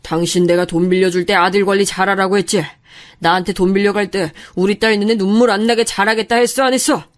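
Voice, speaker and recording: A woman's voice: mid-range voice, fairly even intonation, quick pace, lightly acted. A woman voicing an older father who furiously scolds his daughter's mother-in-law. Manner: scolding, forceful.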